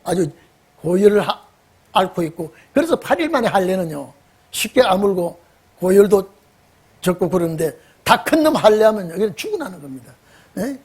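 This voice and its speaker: A man's voice: sits high, sing-song, moderate pace, a little mellow, slightly rough. A man preaching, telling the story with acted dialogue and questioning the congregation. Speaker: pastor. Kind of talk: lively sermon with acted dialogue.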